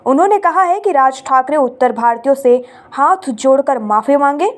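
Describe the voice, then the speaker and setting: A woman news anchor reading a scripted bulletin in a brisk, formal manner. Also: high-pitched, lively intonation.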